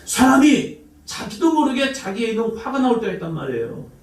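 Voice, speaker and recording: A male pastor with a very high voice preaches briskly and with great animation, asking the congregation questions and acting out the cries and sighs of the people he quotes. The sermon echoes through the church hall, recorded by a mic placed some way off.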